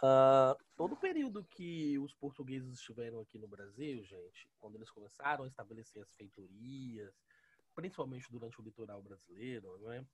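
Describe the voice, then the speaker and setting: A man's voice: mid-range voice, slightly rough. A Brazilian man in his thirties with a sore, inflamed throat, casually explaining as a teacher on a headset in an online lesson, often adding tag questions. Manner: colloquial, often adding "né" and "tá" tags. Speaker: history teacher. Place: small room at home, indoors. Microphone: headset on a video call.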